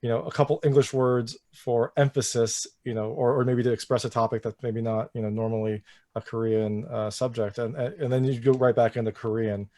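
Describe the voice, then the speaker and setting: A man hosting a relaxed video interview, his questions loose and full of "you know." His voice sits at an ordinary pitch and sounds close and dry, with little room around it. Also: fairly quick, dry recording. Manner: rambling, heavy use of "you know".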